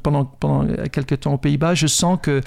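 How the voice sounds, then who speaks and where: A man from the Netherlands, a native Dutch speaker, speaking as a guest in a conversational interview, earnest and animated with frequent hesitations and restarts. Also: fairly high pitch, moderate pace, gravelly. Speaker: guest, author.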